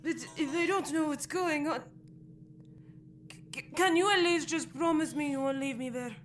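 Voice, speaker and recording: A woman plays a young, sheltered boy in an audio drama, in a high voice. He is anxious and pleading, and he speaks in hesitant, halting phrases over faint music. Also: lightly acted.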